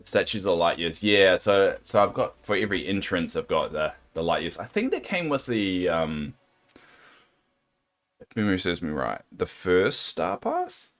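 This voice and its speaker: A man with a New Zealand accent and a very deep, soothing voice chats with his stream viewers while he plays. His pitch moves about a lot, and his rambling talk is sympathetic and self-deprecating. Faint game music plays behind him. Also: very animated, a little slow, fairly bright tone. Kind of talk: casual chat with viewers while gaming.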